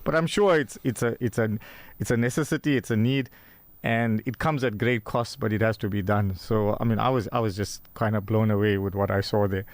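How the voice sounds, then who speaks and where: A man's voice: lowish voice, steady tone, a little fast, dry recording. A man from South Africa hosting a radio interview in a studio, talking casually with many fillers and restarts. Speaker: radio show host.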